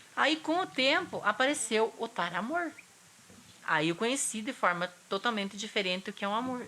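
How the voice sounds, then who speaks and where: Moderate pace and lively intonation, with noticeable background noise throughout. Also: woman. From Brazil, Paraná, Rio Azul. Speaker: pesticide-poisoned former tobacco farmer. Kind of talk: documentary interview testimony.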